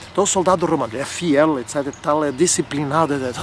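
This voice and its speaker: A man at a fairly high pitch and fairly quick pace, with noticeable background noise. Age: 60s. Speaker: Bible study teacher. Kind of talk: recorded Bible lesson commentary. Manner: conversational, frequent fillers.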